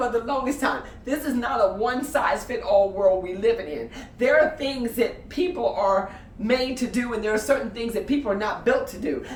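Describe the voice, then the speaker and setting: Amid noticeable background noise and audible room echo, a woman with a high pitch talks at a moderate pace in an animated tone with lively intonation. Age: 60s. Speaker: motivational video blogger. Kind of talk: inspirational monologue.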